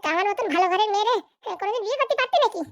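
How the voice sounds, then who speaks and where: A woman voicing a sharp-tongued village wife and mother in a comedy cartoon, needling sarcastically. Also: very high-pitched, racing, no echo. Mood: nagging, mocking.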